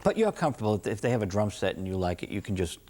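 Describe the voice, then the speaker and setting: A man's voice: lowish voice, big pitch swings, racing, darkish tone. A man hosting a casual interview, chatty and interjecting with comments and questions. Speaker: interviewer, show host.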